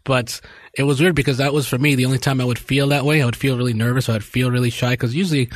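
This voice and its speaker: A man's voice: medium pitch, fairly even intonation, fast, dry recording. A man co-hosting a casual podcast, talkative and reassuring in an easygoing way. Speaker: podcast co-host. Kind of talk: casual chat.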